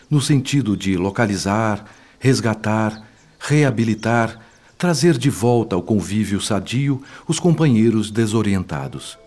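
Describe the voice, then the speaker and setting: A man's voice: fairly low pitch, a little mellow. A male actor with a Brazilian accent playing a wise, compassionate spirit instructor in a radio drama, speaking in a didactic, formal, eloquent manner. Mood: compassionate, fervent.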